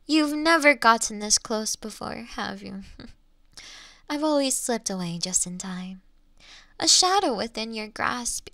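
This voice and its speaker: A woman playing an ancient, elegant monster in a Victorian fantasy audio drama, teasing her hunter in archaic, formal phrases with lingering pauses. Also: fairly high pitch, bright, forceful tone, no room sound, clean studio sound, full character voice. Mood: musing. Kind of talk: slow theatrical roleplay monologue in Victorian fantasy audio drama.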